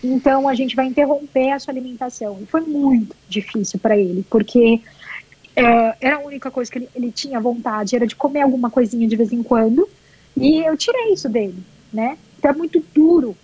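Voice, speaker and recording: A Brazilian woman with a Brazilian Portuguese accent and a high voice tells a personal story in an interview. She speaks emotionally and colloquially, repeats herself and swears now and then. The recording sounds dull and lo-fi. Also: a little fast, mellow, husky. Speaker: marathon runner.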